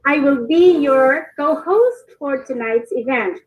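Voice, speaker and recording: A woman's voice: sits high, lively intonation, distant mic, dull audio. A woman from the Philippines co-hosting a formal award event over a video call, speaking with pride and reading a translated song aloud. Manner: slow, proud, reads a translated song aloud. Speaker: co-host.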